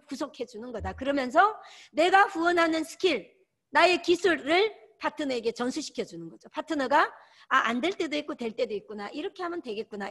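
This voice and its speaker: A woman lectures her sales team in a bright, high voice. Her pitch leaps up and down with animated energy. She drives every point home by saying its key word again and again. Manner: emphatic, repeats key words, exhorting. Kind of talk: motivational training lecture.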